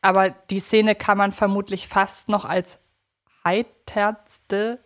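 A woman with a medium-pitched voice co-hosts a casual podcast. She analyses things reflectively and articulately, working through her thoughts as she speaks. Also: little pitch movement, slow. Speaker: podcast co-host.

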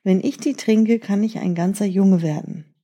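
Young storybook prince, determined and earnest, warm breathy tone, read by a woman. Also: mid-range voice, moderate pace, close to an everyday voice. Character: young half-boy prince, determined, longing.

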